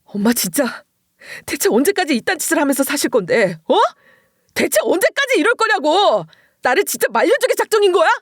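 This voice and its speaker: A woman's voice: sits high, big pitch swings, fairly quick, dry recording, clean studio sound. A woman voicing a fed-up husband who finally explodes. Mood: furious. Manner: pleading, then shouting in frustration. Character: exasperated young husband, normally quiet and reserved. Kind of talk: dramatized story reading.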